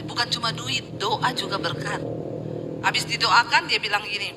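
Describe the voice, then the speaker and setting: A woman's voice: fairly high pitch, steady tone, normal speed, very noisy. A middle-aged woman pastor, preaching a live church sermon, telling stories with acted-out quotes and jokes.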